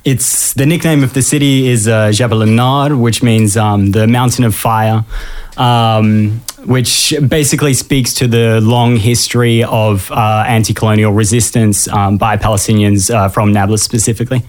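A man born in Australia speaks as a radio guest in a low, steady voice. He is calm and measured, and he pauses often with uhs. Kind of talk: interview answers.

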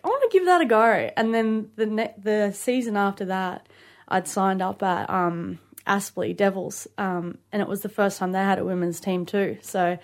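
A woman in her late twenties speaks with an Aboriginal Australian English accent. Her voice sits at an average pitch. She talks like a relaxed studio guest in casual conversation, filling her sentences with "like" and "you know". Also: measured pace. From Queensland, Australia. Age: late 20s. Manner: informal, with frequent "like" and "you know". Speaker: studio guest, rugby league player. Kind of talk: casual interview chat.

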